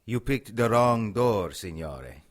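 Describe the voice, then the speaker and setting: An actor in a radio drama playing a righteous Catholic priest with a formal, measured delivery. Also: male voice, fairly low pitch, animated. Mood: solemn.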